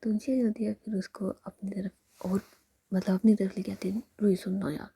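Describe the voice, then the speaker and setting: A young woman narrates a romance in a soft, intimate whisper. Her voice is very breathy and husky, deep and mellow, with a gravelly creak. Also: steady tone, moderate pace. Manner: soft, intimate, retelling in present tense. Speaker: storyteller.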